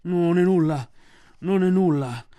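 A man voicing a big gentle old bear who talks slowly with a groaning, fond manner. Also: sits high.

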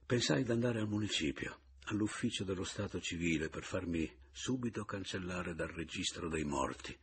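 In a low-sitting voice with a breathy edge, a man narrates a literary novel for audiobook, keeping his first-person delivery measured and reflective.

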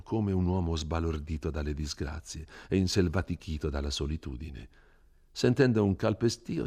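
A man reading a classic novel aloud as a measured, expressive storyteller. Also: deep voice. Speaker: reader.

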